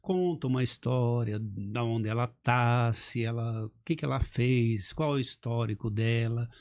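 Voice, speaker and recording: A man's voice: mid-range voice, a little slow. A middle-aged man, a public speaking coach, talking in a casual podcast chat and acting out examples with emphasis. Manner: animated, emphatic, acts out examples.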